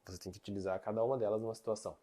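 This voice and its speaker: A man's voice: fairly low pitch, steady tone, mellow. A man with a Brazilian Portuguese accent teaching basic Mandarin in a casual online lesson, explaining patiently and ending his points with little check-in questions. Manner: explanatory, many tag questions, slow demonstrations of phrases.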